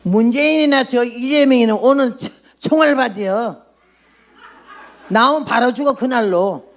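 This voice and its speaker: A woman's voice: fairly high pitch, a little slow. A woman in her nineties, a missionary preacher, giving a blunt, outspoken sermon and testimony. She often laughs at her own remarks and throws questions at the congregation. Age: 90s.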